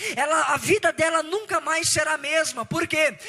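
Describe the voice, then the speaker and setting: With music in the background, a man projects a raised voice at an extremely high pitch and a fairly slow pace. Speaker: preacher. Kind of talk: sermon.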